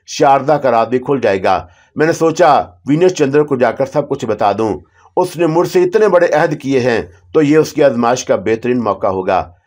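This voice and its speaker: A man reading a first-person horror story aloud in a steady, dramatic manner. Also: mid-range voice.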